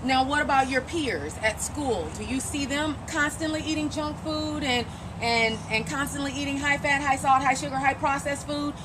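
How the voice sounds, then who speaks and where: A woman's voice: high-pitched, moderate pace, noisy background. A woman coach interviewing and giving an emphatic, encouraging pep talk, repeating phrases for emphasis.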